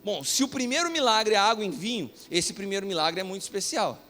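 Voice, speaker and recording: A Brazilian pastor preaching a sermon, telling a self-mocking story in an animated way. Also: male voice, high voice, fairly quick, soft background music. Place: church hall. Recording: long reverb of a church hall.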